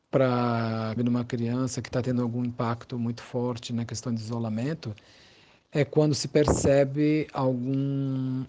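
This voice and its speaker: A Brazilian man, a psychologist being interviewed, gives conversational explanations in a thoughtful, halting way, searching for his words. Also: mid-range voice, warm tone.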